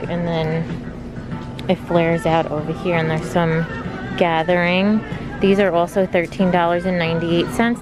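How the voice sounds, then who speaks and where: A woman filming herself shopping for clothes in a large store, describing each item slowly, from a handheld phone. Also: on the low side, rough recording. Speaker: fashion vlogger. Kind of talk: shop-with-me narration. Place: large retail store, indoors. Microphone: handheld phone filming the racks.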